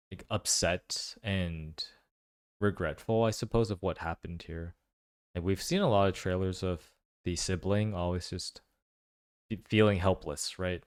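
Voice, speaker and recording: A man giving casual reaction commentary, thinking aloud in halting phrases. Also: deep voice, dry recording, clean studio sound. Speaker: video commentator.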